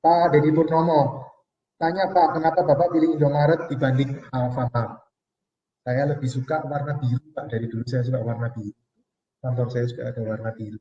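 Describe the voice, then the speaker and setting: A man's voice: mid-range voice, flat delivery, fairly quick, dark tone, slight background noise. A man in his forties giving a motivational live online seminar on money, speaking to viewers as friends and reading out their comments. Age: 40s. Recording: roomy, distant, dull-sounding audio.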